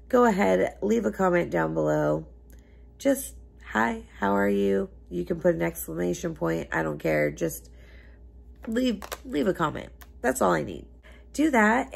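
A woman's voice: on the low side, creaky, a little mellow, breathy edge. A young woman beauty vlogger chatting casually to camera from her couch, her voice scratchy as she is losing it, talking in a rambling, emphatic way. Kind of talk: casual makeup chat to camera. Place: living room couch indoors.

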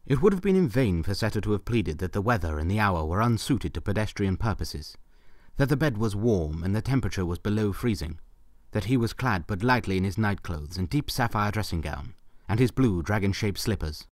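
A man's voice: fairly low pitch, animated, fairly quick, no room sound, studio quality. A man narrating a scripted story in a theatrical, wry manner with ornate phrasing.

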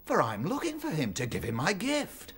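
A man voicing a stern, commanding sun god in slow, grand proclamations for a radio play. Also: on the high side, wildly swooping pitch, a bit bright, slightly rough, pitched above the performer's own voice, full character voice. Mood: grand, proclaiming.

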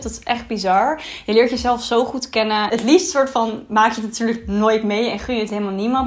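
A young woman speaks in a slightly high voice. She talks casually, like girl talk in a vlog, while she eats, so her mouth is sometimes full as she speaks. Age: 20s. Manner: talking while eating, at times with mouth full. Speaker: vlogger. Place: small bright room indoors, seated at a table.

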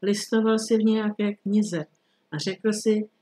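A worried middle-aged wife presses her point with stubborn insistence, played by a woman reading aloud. Her voice sits at an ordinary middle pitch and carries mild irritation. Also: steady tone, mellow, lightly acted. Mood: insistent.

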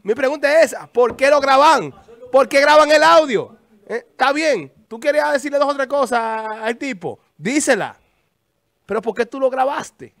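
A man's voice: very high-pitched, lively intonation, moderate pace, vocal fry, a bit bright. A Dominican man on a talk show panel, arguing and pressing the same question again and again. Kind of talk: heated studio debate.

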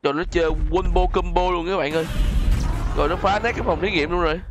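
A man's voice: high-pitched, fairly even intonation, fast, music in the background. A man with a southern Vietnamese accent hosts a gaming video, giving casual gameplay commentary to his viewers.

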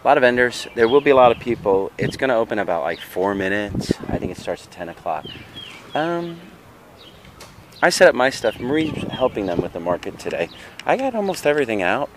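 A man's voice: mid-range voice, very animated, brisk, noisy background. A man filming a casual, rambling walkthrough of his vendor tables at an outdoor street fair on a handheld camera. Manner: chatty, rambling. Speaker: flea market vendor.

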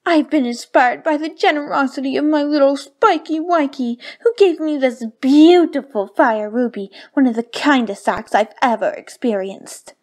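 A woman's voice: high-pitched, normal speed, hardly any pauses, natural voice. A woman voicing a vain, ladylike cartoon unicorn pony who loves fashion, with refined, theatrical diction. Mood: dignified, sincere. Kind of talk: fan voice reel of cartoon lines.

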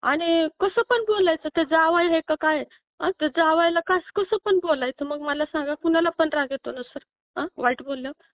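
A high-pitched woman pleads over a tinny, dry phone line, her voice thin and close with no room around it. She sounds upset, near tears, and keeps pressing her complaint with short questioning tags. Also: normal speed, no room sound. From Maharashtra. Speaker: caller asking for help.

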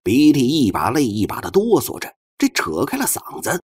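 Husky man narrating with very animated pitch. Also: normal speed. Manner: expressive, theatrical delivery. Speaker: audiobook narrator. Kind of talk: animated dramatic storytelling narration.

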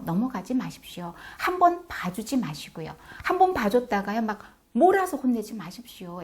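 A woman's voice: mid-range voice, darkish tone. A middle-aged woman giving parenting advice to camera in an emphatic way, acting out scolding mothers and dropping into whispered asides. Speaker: parenting educator.

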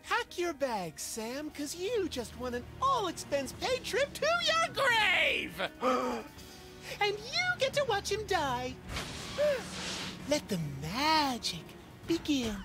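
A man's voice: very high voice, huge pitch swings, takes it slowly, heavily acted. An actor voicing a grinning villain, a colony of alien bacteria posing as a male self-help guru, who talks like a gleeful showman and giggles between threats. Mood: theatrical. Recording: game audio under music.

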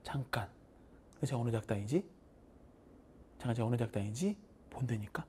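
Animated woman teacher giving a pep talk. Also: very deep voice, fairly quick, slight background noise. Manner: chatty, animated, acts out students' voices. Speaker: math teacher. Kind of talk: motivational talk to students.

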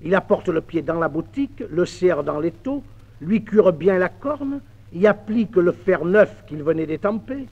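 A man telling a folk tale in a lively, expressive theatrical reading, on an old mono record. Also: sits high, unhurried. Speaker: storyteller. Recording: dull 1950s mono record.

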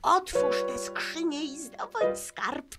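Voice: high voice, animated, slow pace. An actor playing a cheerful, encouraging child on holiday in an improvised children's radio play. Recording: loud music under the voice.

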